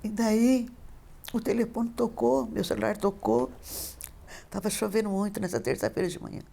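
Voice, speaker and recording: A middle-aged mother recounts a phone call in an interview, her voice gravelly with fry. She tells it in a heartfelt, plain way, repeating the dialogue word for word. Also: mid-range voice, moderate pace, mellow. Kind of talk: personal testimony interview.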